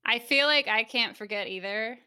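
A woman's voice: a little high, normal speed, sharp tone, smooth. A woman hosting an interview podcast, reading a polished scripted introduction and then chatting casually with her guest. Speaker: podcast host.

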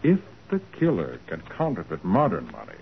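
A confident master detective from a 1940s radio crime drama. His low voice moves with lively swings as he reasons with authority. It comes through a narrow, muffled old broadcast recording. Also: a little fast, gravelly, a little hiss or hum, full character voice. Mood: explaining. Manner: deductive, authoritative. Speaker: lead actor in detective drama.

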